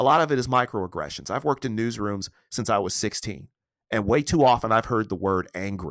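A normal speaking voice from a man with an American accent, fairly low in pitch, at a fairly quick pace with ordinary pitch variation, on a very clean recording with a silent background and a dry, close sound with no echo. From Michigan. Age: 40s. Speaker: journalist and podcaster. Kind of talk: interview testimony.

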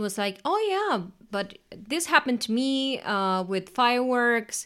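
With a Spanish accent, a woman speaks. Her pace is fairly slow. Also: very clean recording, silent background. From Colombia, Barranquilla (Caribbean coast). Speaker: spouse of host, interview guest. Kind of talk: casual chat.

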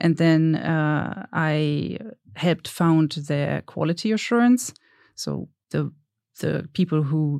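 A woman with a German accent, a dark, mellow tone, a very deep, low pitch and ordinary pitch variation, on a very clean recording with a silent background. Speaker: knowledge manager at a game studio. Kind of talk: casual chat. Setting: studio.

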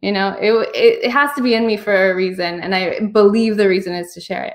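Using a plain, everyday voice, a woman speaks at a fairly quick pace with a fairly high pitch and ordinary pitch variation. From US, Cuban-American. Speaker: podcast host. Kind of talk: casual interview conversation.

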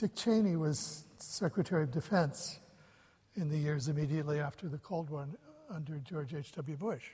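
At a moderate pace, a man talks in a fairly high pitch with ordinary variation and a dark, mellow, somewhat breathy tone. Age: 70s. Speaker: author and historian. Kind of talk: lecture. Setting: stage with audience.

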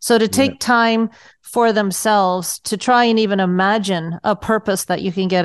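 Against a quiet background, a woman with a plain, everyday voice talks at a moderate pace and a medium pitch with fairly even intonation. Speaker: radio host and nutritionist. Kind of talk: radio interview.

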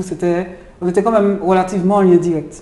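Audible room echo carries a woman's fairly low, monotone, flat voice. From Martinique. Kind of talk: interview conversation.

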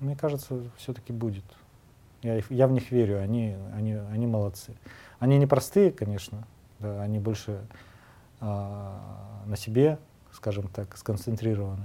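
The voice has a dark, mellow tone and ordinary pitch variation. Delivery is at a moderate pace, broken by long, frequent pauses. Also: man, fairly low pitch for a man. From Russia, Urals (Nizhny Tagil). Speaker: managing partner of a law firm. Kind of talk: interview conversation.

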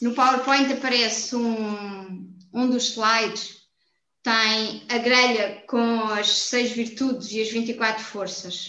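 A woman's fairly high voice, bright and sharp in tone, monotone and flat, at a very slow pace. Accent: European Portuguese. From Portugal. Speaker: coaching student. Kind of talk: online class discussion.

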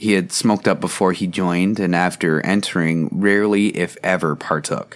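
Here a man with a Canadian accent speaks at a fairly quick pace in an unremarkable speaking voice. His pitch is fairly low, with ordinary variation. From Canada, Ontario. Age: 30s. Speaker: podcast host. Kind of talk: solo monologue podcast.

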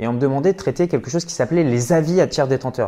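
In a dark, mellow tone, a man rattles along at a very fast pace. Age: 30s. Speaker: former banker and wealth adviser. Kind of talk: casual interview. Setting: host's apartment.

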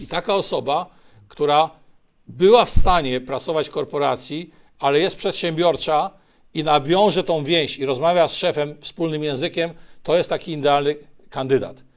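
At a moderate pace, a man talks with a fairly high pitch and ordinary pitch variation in a very clean recording with a silent background. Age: 60s. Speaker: business consultant. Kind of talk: interview. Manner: fluent.

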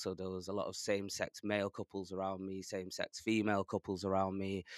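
Here is a man with a Yorkshire accent, talking at a moderate pace. The sound is dry and close, with no echo. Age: 20s. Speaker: adoptee sharing his story. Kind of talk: casual interview chat. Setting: video call.

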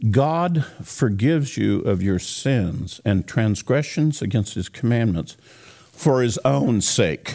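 With a dark, mellow tone at a medium pitch, a man speaks very slowly while his voice makes very wide pitch swings. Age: 70s. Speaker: congregation teacher. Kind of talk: sermon. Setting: church. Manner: halting.

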